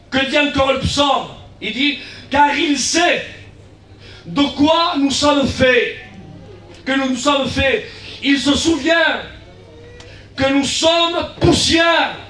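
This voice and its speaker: Male pastor, very high pitch, heard from a distance in a roomy church, animated preacher. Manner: acts out dialogues, shouts key lines, drops to low asides. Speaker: guest pastor. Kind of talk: lively evangelistic sermon. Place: church hall. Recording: echoey church from far off.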